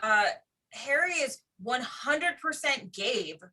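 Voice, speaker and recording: Bright, high-ish woman commenting casually. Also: expressive, slow. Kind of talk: casual commentary in group chat. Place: remote video call.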